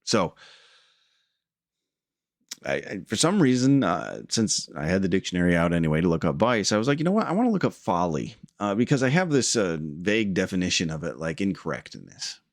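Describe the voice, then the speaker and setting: A man with a lowish voice gives an earnest spiritual talk, thinking aloud and pausing with fillers. The sound is dry and close, with no room around it. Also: sing-song, no echo. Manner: earnest, reflective, with fillers and pauses. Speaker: spiritual teacher. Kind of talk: informal spiritual teaching.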